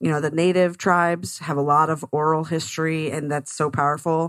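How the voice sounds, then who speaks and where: With an American accent, a woman with a fairly low pitch talks at a moderate pace in an ordinary speaking voice. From Western New York. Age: 40s. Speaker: nonprofit executive and army veteran. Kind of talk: casual interview. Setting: studio.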